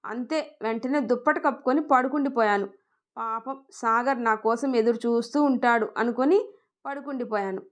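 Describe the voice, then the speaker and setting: A woman narrating a first-person love story in a gentle, expressive way. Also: on the high side, moderate pace.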